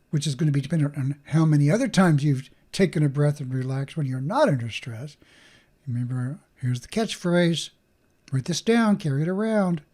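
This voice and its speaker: A man's voice: a little high, warm tone, husky. A man hosting a solo podcast, talking earnestly about mindfulness and coaching listeners as he acts out both sides of conversations. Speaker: podcast host.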